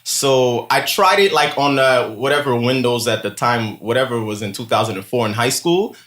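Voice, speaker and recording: A man's voice: mid-range voice, normal speed. A man in his thirties with a Haitian accent, a guest telling stories in casual interview chat, laughing often and using lots of "like" fillers. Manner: animated storyteller, laughs often, many "like" fillers. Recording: echoey room.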